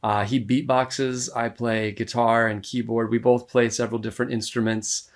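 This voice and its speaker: A man in his thirties with an American accent, chatting casually as a podcast guest, relaxed and rambling, with many fillers and frequent laughs. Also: mid-range voice, normal speed. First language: English. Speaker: musician guest. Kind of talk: casual interview talk.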